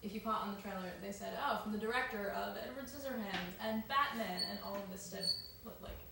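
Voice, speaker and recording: A woman's voice: mid-range voice, brisk, vocal fry. A young woman co-hosting a casual chat show, talking loosely with lots of ums and asides. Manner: chatty, with many ums and asides. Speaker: co-host. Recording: echoey room, mic far off, noisy.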